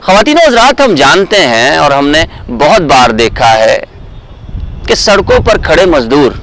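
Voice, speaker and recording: A man with a Pakistani accent presenting in a theatrical, emphatic and deliberate way, like a dramatic poetry reader. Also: fairly high pitch, big pitch swings, fairly bright tone, a little hiss or hum, poor audio.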